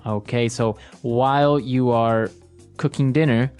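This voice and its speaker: A man's voice: mid-range voice, fairly even intonation, a little slow, a little mellow, smooth. Guy cohost on an english podcast, "very good" type recaps, faint music under it. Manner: prompts and sums up with short affirmations. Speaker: podcast co-host. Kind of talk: casual teaching chat.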